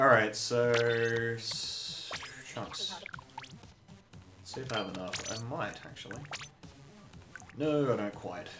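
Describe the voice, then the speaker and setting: Over background music and audible room echo, a man with a slight Australian accent and a medium pitch speaks at a very slow pace with long, frequent pauses, big swings in loudness, and ordinary pitch variation. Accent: slightly posh Australian. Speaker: video game streamer. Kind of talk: casual live stream chat.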